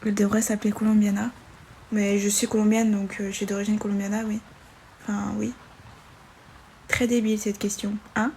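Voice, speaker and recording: A woman's voice: medium pitch, little pitch movement, a little fast, pauses often, mellow, a little hiss or hum. A woman in her twenties hosting a casual live stream on her phone, reading viewer questions aloud and chatting back with many fillers and restarts. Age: 20s.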